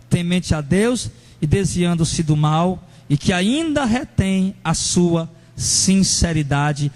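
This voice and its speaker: High-voiced animated male preacher. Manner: animated, acts out angry church members in a raised voice; addresses congregation members directly. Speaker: pastor. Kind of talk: sermon.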